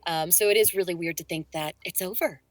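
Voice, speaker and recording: A woman's voice: on the low side, brisk, dry recording. A woman who acts in audio drama, chatting in a group interview with gushing, emphatic enthusiasm. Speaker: voice actress, podcast cast member. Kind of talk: casual group interview chat.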